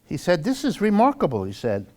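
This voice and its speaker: A man's voice: high-pitched, wildly swooping pitch, brisk, a little mellow. An American man giving a live public lecture, sarcastic and emphatic, drawing out key words for effect. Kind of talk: live lecture with read-out quotes and commentary.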